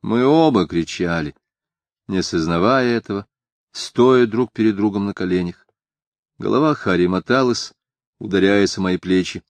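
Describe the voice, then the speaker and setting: A male reader narrates a literary audiobook in a quiet, measured way. His voice sits low. The sound is close and dry, with no room echo.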